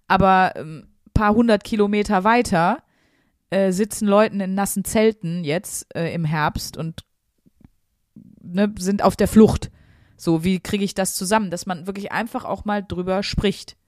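A woman's voice: mid-range voice, a little mellow, dry recording, clean studio sound. A woman co-hosting a podcast, talking through her thoughts in an earnest, chatty way with many fillers. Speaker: podcast co-host. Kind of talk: casual podcast chat.

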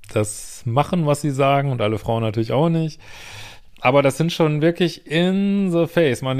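A man's voice: medium pitch, a little mellow, clean tone. Blunt, swearing man commenting on a letter. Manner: blunt, swears freely, tags sentences with "ne?". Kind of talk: reading and commenting on a viewer's letter.

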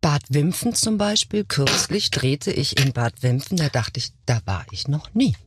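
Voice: mid-range voice, animated, a little slow, background noise. An actor, a guest on a podcast, telling stories in a playful, theatrical way during a casual chat.

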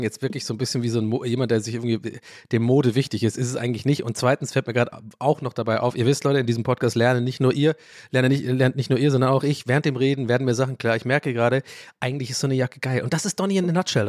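A man hosting his own podcast, telling stories to his listeners in loose, rambling monologues. He often restarts his sentences and breaks into laughter. His voice sits at an ordinary middle pitch, and the sound is dry and close. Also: dry recording. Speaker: podcast host. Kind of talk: casual solo podcast monologue.

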